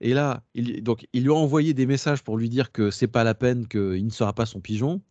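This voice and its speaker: A man's voice: mid-range voice, moderate pace, darkish tone, no room sound. Brief: slangy male presenter, plain mid voice, dry dull lo-fi sound, digresses. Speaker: workshop presenter. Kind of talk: casual talk to a class.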